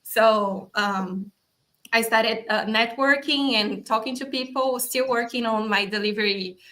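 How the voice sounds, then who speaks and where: A woman's voice: on the high side, unhurried, bright, forceful tone. A young woman from Brazil, speaking English with a Brazilian accent, chatting upbeat as an interview guest. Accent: Brazilian Portuguese. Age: young adult. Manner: upbeat, many fillers and restarts. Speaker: guest, automation specialist. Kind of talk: casual interview chat.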